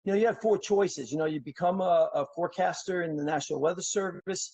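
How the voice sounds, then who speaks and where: A middle-aged man from New York City talks at length as a podcast guest. His voice sits slightly high, and he rambles through stories with plenty of fillers and restarts. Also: fast talker, mellow. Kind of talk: casual interview storytelling.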